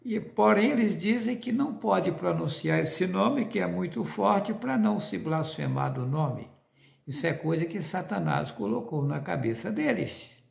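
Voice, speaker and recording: Gravelly Brazilian man preaching insistently. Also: high voice, lively intonation, unhurried, reverberant. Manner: insistent, with rhetorical questions. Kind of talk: religious monologue to viewers.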